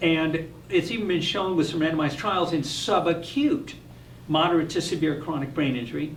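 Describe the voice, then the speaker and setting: Amid noticeable background noise and audible room echo, a man speaks at a fairly high pitch and a moderate pace, with ordinary pitch variation. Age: 60s. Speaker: physician and hyperbaric medicine expert. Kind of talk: interview.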